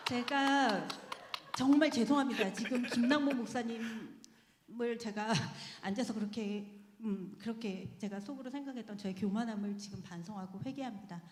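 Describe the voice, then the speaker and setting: A woman speaks at a slightly high pitch as she gives a personal testimony before the congregation. She tells her story in a lively way and laughs between phrases. Her voice rings through an echoey church sanctuary with a long reverb tail. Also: moderate pace. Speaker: church member giving testimony.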